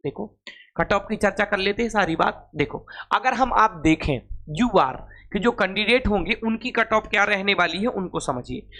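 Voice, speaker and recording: A man's voice: high-pitched, animated, moderate pace, sharp tone. A man teaching an informal exam-prep class, repeating phrases and asking questions that he then answers himself.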